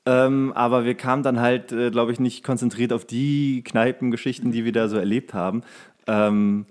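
A man's voice: mid-range voice, fairly even intonation, moderate pace. Young man chatting in rambling, joking style. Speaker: podcast co-host. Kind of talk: casual banter, storytelling.

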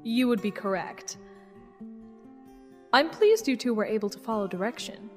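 Woman playing a high-voiced, condescending villainess, reverberant. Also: animated, moderate pace, close to an everyday voice. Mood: smug, teasing. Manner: polished, mocking politeness. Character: smooth, condescending female villain in command. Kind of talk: audio drama acting. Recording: long reverberant hall, faint music underneath.

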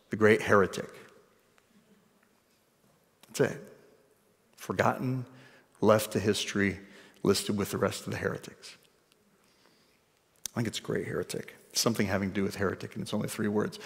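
Male pastor, 40s, conversational sermon with wry asides, long church reverb. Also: on the low side. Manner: conversational, jokey asides to the congregation. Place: church stage before a congregation.

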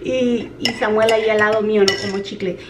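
A woman in her thirties, a mom vlogger telling a story in an animated, chatty way, talking straight to her viewers. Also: mid-range voice, a little fast. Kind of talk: casual storytelling vlog. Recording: echoey room with faint noise.

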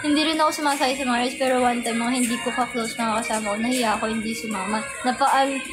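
A woman's voice: fairly high pitch, steady tone, quick pace. A young woman hosting a casual livestream, telling a story in a chatty way and giggling often. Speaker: livestream host. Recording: music playing in the background. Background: background music.

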